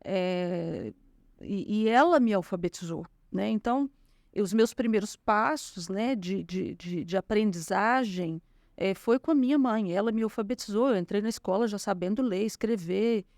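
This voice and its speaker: A woman's voice: medium pitch, moderate pace, no echo, studio quality. A woman from Minas Gerais, Brazil, with a Minas Gerais accent, a guest telling her life story in an interview, full of small fillers. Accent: Minas Gerais Portuguese. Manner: warm storytelling with frequent fillers. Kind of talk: conversational interview.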